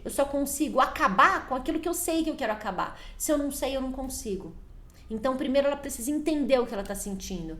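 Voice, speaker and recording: A woman in her forties with a high voice coaches parents in a relaxed live talk. She keeps slipping into short acted exchanges, switching quickly between the parent's voice and the child's. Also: roomy sound. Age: 40s. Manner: coaching, acts out little dialogues in quick changing voices. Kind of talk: casual live talk to viewers.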